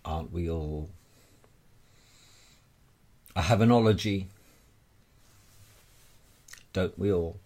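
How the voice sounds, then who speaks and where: A man delivering a rambling monologue straight to the listener in a wry, theatrical manner with deliberate dramatic pauses. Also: deep voice, a little mellow. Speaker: speaker sharing personal views.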